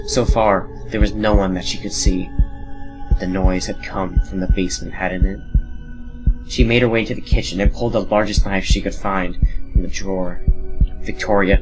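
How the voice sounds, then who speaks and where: Low-pitched man narrating horror. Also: rough recording. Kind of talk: scripted horror story narration.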